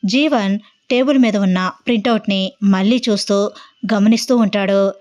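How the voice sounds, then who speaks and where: A woman narrating an audio story in a steady, plain reading voice. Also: medium pitch, normal speed, muffled recording.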